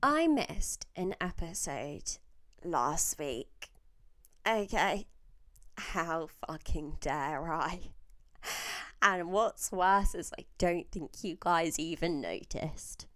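A woman's voice: on the low side, animated, drawn-out words, fairly bright tone, dry recording. A young woman with an Australian accent hosting a casual solo podcast, chatty and self-mocking, swearing freely while getting over a chest infection. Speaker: podcast host.

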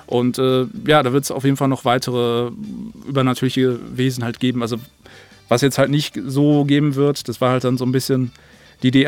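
A man's voice: medium pitch, darkish tone. A man with a mid-range voice talks as a guest in a casual interview. He speaks informally and colloquially, rambling loosely as he explains things. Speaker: audio drama writer, director and producer, interview guest.

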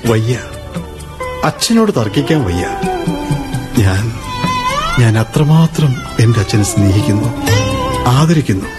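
An actor playing an earnest young student son who presses his parents for answers and speaks of his deep respect for his father, in a radio play. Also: expressive, unhurried, long pauses, close to an everyday voice. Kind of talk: radio drama acting. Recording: radio play with music bed.

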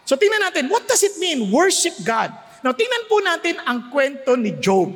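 A man with a Filipino accent preaching a sermon, animated and joking with the congregation as he moves between Tagalog and English. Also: very high-pitched, normal speed. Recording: long hall reverb.

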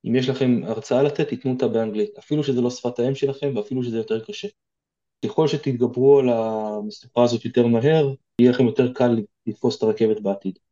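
A man's voice: mid-range voice, fairly even intonation, mellow, muffled recording. A man with an Israeli accent giving informal, direct advice as an interview guest, explaining things conversationally.

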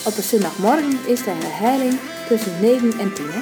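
Brief: female radio announcer, even scripted delivery, clear guitar bed behind. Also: a little high, brisk. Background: guitar music.

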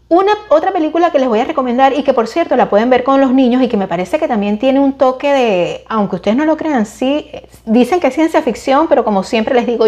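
A woman in her forties with a Venezuelan accent, talking casually to her viewers and giving opinions, chatty and expressive with frequent restarts. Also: on the high side. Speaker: vlogger recommending series and films.

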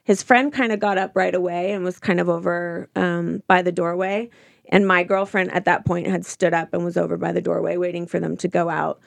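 Woman with a creaky, fry-laden voice. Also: on the low side, little pitch movement, a little fast, no room sound, clean studio sound. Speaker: interview guest. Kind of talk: personal account in a conversational interview.

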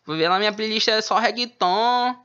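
A man's voice: sits high, normal speed, sharp tone, clean tone. Slangy man. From Manaus, Brazil. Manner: slangy, laid-back street talk. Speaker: rapper guest. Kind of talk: casual interview chat. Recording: dull lo-fi audio.

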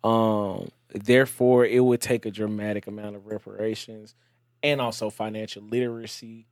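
A man's voice: fairly low pitch, level tone, normal speed, dry recording, clean studio sound. A man with an African American accent talking casually, in a slangy, emphatic and opinionated way. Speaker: journalist in conversation. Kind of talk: casual candid conversation.

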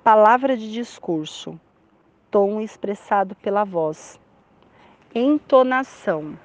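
A woman's voice: mid-range voice, animated, slow. A woman teaching on prayer and the Bible, praying and reading aloud with emphatic, dramatic shifts of tone.

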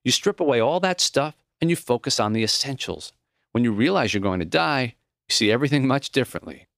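A man reading the lines of a gentle, reflective old dying professor in a memoir audiobook, earnest and plain-spoken. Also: medium pitch, expressive, a little fast, vocal fry, dry recording, studio quality, voice pushed up.

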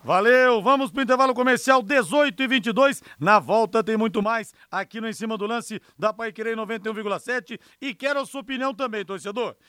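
Brazilian man, sports radio host, high-pitched, bright forceful tone, emphatic announcing, conversational asides. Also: brisk, hardly any pauses, clear, resonant tone, no room sound, studio quality. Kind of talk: live radio sports talk. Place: radio studio.

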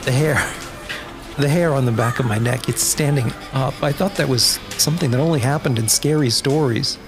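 Casting: male actor as wry post-apocalyptic drifter, medium pitch, guarded and dry, audio drama with music behind. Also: normal speed, natural voice. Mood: guarded, brooding. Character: sardonic, grudge-bearing male post-apocalyptic wasteland survivor. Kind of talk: dark humor audio drama acting. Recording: music under the voice.

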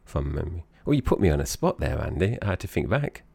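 Essex guy, really deep gravelly voice, casual podcast host chat, bit rambly. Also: sing-song, fast, darkish tone, no room sound. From Essex, England.

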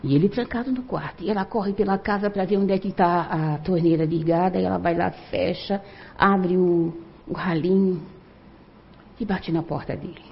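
An older woman telling a story to an audience in an animated, conversational way. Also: on the low side, moderate pace, creaky. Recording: muffled lo-fi recording.

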